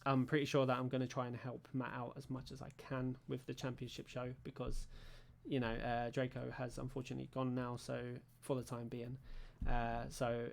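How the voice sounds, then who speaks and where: Speaking at a normal pace with few pauses, this British league show host has a monotone voice edged with vocal fry. He rambles through a casual stream recap, filling gaps with fillers and restarting sentences, while his end of the recording sounds quiet.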